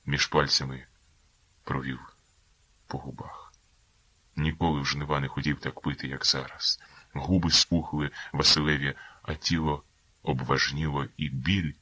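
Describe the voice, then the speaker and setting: A man narrating literary prose as an audiobook in a measured, dramatic reading. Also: very deep voice, bright, forceful tone.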